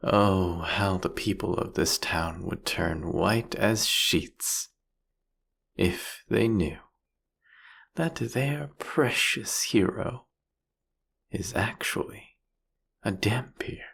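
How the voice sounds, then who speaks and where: A man playing a captured vampire king in an audio roleplay, sardonic and silkily menacing, with a husky, gravelly voice and theatrical, taunting phrasing. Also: sits low, fairly bright tone, full character voice. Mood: knowing, menacing. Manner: theatrical, mocking, drawn-out, teasing phrasing. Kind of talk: scripted audio roleplay monologue addressed to the listener.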